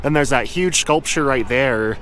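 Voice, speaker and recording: Cooking at his truck camper before strolling around town, a man narrates his travel vlog in a relaxed, chatty way, frequently fixing his sentences partway through. He speaks at normal speed in a mid-range voice, on a low-quality recording with slight hiss or hum.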